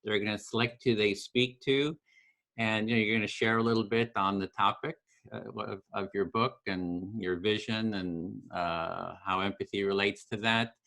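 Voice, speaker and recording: Halting low-voiced male host. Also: fairly even intonation, gravelly. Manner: halting, lots of uh and restarts, gentle. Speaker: host and facilitator. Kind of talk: explaining a discussion process. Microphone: video call.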